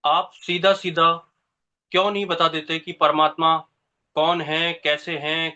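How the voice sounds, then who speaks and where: A man's voice: a little high, flat delivery, unhurried, pushed and bright. A man speaking as a seeker, putting direct, insistent questions to a teacher. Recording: slightly dull, lo-fi sound.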